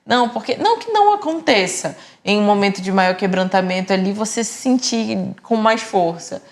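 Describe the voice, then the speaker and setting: A woman's voice: mid-range voice, lively intonation, normal speed. A Brazilian woman, a guest on a church podcast, speaking earnestly and reflectively about faith. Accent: Brazilian Portuguese. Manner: earnest, reflective, quoting herself. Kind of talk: casual church podcast chat.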